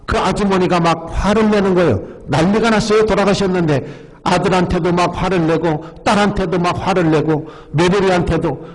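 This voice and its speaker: A male pastor preaching a sermon, emphatic and repeatedly calling out to the congregation. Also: high voice. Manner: emphatic, often addresses the congregation. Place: church sanctuary. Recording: long church-hall reverb.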